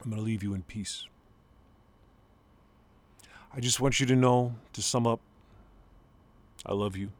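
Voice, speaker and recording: A man playing a grieving adult son talking to his father in an intimate, halting monologue whose voice sometimes breaks high. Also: steady tone, close to an everyday voice. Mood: tender. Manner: halting, restarts, voice breaking into high strained pitch.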